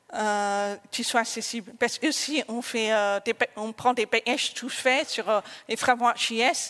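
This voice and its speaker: A woman speaks fairly slowly at a fairly high pitch, with ordinary pitch variation. Her tone is bright and sharp, and the sound is dry and close with no echo. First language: deaf from birth (speaking French). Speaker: conference speaker, software developer. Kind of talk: conference talk. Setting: conference stage with audience.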